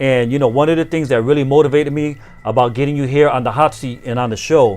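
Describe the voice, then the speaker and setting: Over noticeable background noise, a man at medium pitch talks at a very fast pace with fairly even intonation. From Puerto Rican heritage. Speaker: interview show host. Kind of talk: interview.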